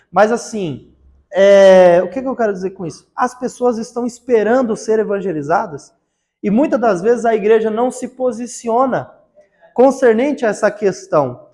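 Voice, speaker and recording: A man with a fairly high voice leads a theology lesson, mixing teaching with personal testimony. He tells his stories in a relaxed, colloquial way, acting out each exchange and getting louder at the key moments. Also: normal speed. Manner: lively storytelling, acts out dialogue with rises in loudness; casual colloquial speech with frequent fillers.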